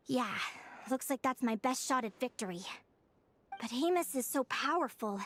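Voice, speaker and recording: A woman's voice: sits high, animated, moderate pace. A woman playing a thoughtful, determined young female advisor in an anime video game, speaking articulately. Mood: pensive, worried.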